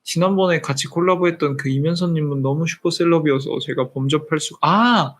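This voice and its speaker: 편하게 수다 떠는 약간 높은 목소리의 30세 남자. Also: male voice, on the high side, a little fast. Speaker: live-stream host. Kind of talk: casual live-stream chat with viewers.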